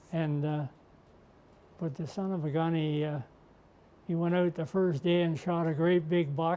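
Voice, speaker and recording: With long, frequent pauses, a man speaks at a moderate pace in a high pitch, his tone dark and mellow and his intonation monotone and flat. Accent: Ontario. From Canada, Peterborough Ontario. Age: 80s+. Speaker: retired competitive shooter. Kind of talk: interview.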